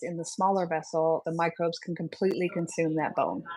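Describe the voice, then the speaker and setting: A woman speaks with a slight British accent against a quiet background. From England. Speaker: human composting company representative. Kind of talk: interview. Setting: livestream video call.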